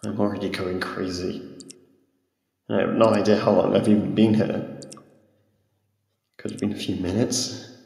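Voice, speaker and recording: A man playing a frightened, humiliated young captive in an ASMR roleplay, halting and timid, with a gravelly voice. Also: low-pitched, level tone, darkish tone. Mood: weary, dazed. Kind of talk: ASMR roleplay audio drama. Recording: echoey, long cavernous reverb.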